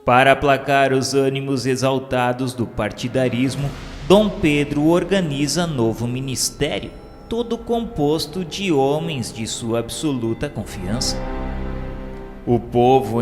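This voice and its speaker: Brazilian male narrator, grave and unhurried, reverberant room, soft music bed. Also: mid-range voice. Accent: Brazilian Portuguese. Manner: slow, solemn, measured delivery. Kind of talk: scripted radio drama narration. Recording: long reverb with faint music.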